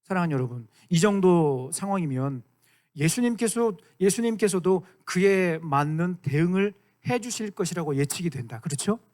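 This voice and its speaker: Man, youth pastor, high voice, lively sermon, keeps checking in with the students. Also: moderate pace. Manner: animated, keeps asking the room for agreement; acts out quoted lines in dramatic voices.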